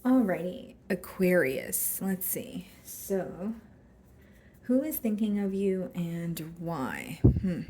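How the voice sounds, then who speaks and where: A woman giving a casual tarot reading with a hoarse, scratchy throat, thinking aloud as she draws cards and talks straight to her viewers. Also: fairly low pitch, lively intonation, slow, echoey room. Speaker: tarot card reader.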